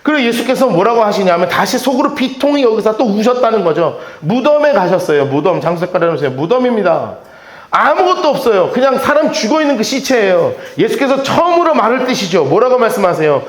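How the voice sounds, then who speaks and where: A man's voice: high-pitched, big pitch swings, fairly quick, roomy sound. A male pastor preaching a sermon, emphatic, with rhetorical questions to the congregation. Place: church sanctuary.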